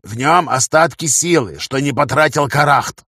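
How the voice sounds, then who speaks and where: A man's voice: fairly high pitch, moderate pace, sharp tone, slightly rough, dry recording, studio quality, voice pushed up, heavily acted. A man voicing a terse, grumbling and earnest tribal girl in a fantasy audiobook, speaking in blunt statements. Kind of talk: audiobook character dialogue.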